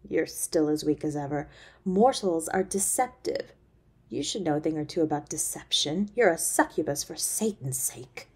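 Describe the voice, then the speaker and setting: Audio roleplay villain: centuries-old demon mother, played by a woman, lowish husky voice, regal, scornful, threatening. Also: expressive, normal speed. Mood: cold, disdainful. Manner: imperious, mocking, menacing. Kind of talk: scripted audio roleplay acting.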